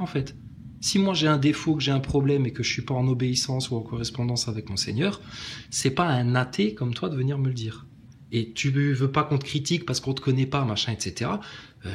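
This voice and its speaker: Casting: mocking male commentator, combative rant, pitch jumping up and down. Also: slight background noise. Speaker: online commentator. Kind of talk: ranting monologue to commenters.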